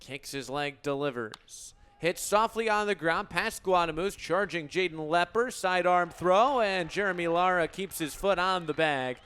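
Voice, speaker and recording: An American man in his twenties calling live baseball play-by-play for radio in a crisp, descriptive announcer delivery. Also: high voice, a little slow, few pauses, fairly bright tone. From Illinois, United States. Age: 20s.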